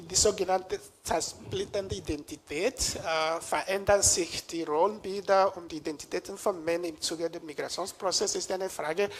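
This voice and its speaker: A man from Nigeria giving a public lecture in a lecture room, pausing often with hesitations as he searches for words. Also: on the high side, fairly bright tone, a little hiss or hum.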